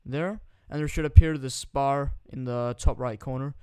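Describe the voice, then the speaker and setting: A man's voice: medium pitch, steady tone, normal speed, a little mellow, clear, resonant tone, no echo, studio quality. A Danish teenage boy putting on a British accent, casually rambling and joking crudely through a gaming tutorial on a new desktop microphone. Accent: put-on British accent. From Denmark. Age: teens. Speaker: gaming YouTuber. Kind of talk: casual screen-recording tutorial commentary.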